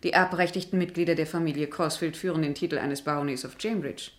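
A woman's voice: low voice, steady tone, fast, natural voice. A woman playing a cool, guarded English lady, protective of her husband, in a radio crime drama.

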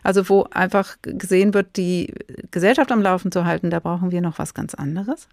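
A woman hosting a radio interview who asks measured, probing questions. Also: fairly low pitch, fairly even intonation, gravelly, a little mellow, no echo, studio quality. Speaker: radio host.

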